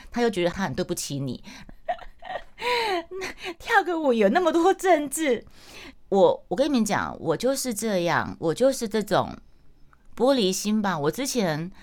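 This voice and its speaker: A middle-aged woman, hosting a livestream. She tells stories in casual chat, acts out the dialogue in changing voices and pokes fun at herself. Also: deep voice. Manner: self-mocking, chatty. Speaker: livestream host.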